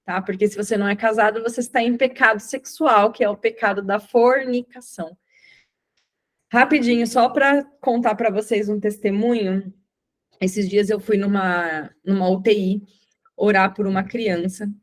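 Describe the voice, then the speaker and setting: A young Brazilian woman teaches an informal Christian class in a mid-pitched voice. She tells her story as a lively storyteller, acting out the dialogue she quotes. She keeps turning to her listeners with quick checking questions. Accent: Brazilian Portuguese. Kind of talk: informal Bible class with a personal testimony.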